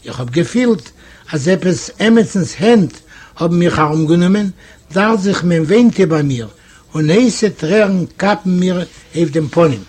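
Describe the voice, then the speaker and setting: A man from Eastern Europe reading a classic story aloud in measured storytelling. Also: sits high, expressive, darkish tone, breathy edge. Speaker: audiobook narrator. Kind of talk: scripted literary narration.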